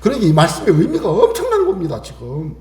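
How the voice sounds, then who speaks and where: A man preaches with a high voice that swoops widely from phrase to phrase. He acts out prayers and lively dialogue as he goes, and his voice echoes around the room. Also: fast. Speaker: pastor. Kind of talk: Sunday sermon.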